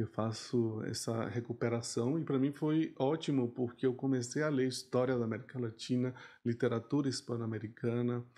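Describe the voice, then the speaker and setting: In a quiet background, a man speaks at a moderate pace with medium pitch, a dark, mellow tone and fairly even intonation. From Brazilian Amazon region, born in Bolivia. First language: Spanish (speaking Portuguese). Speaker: professor of education. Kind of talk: podcast interview.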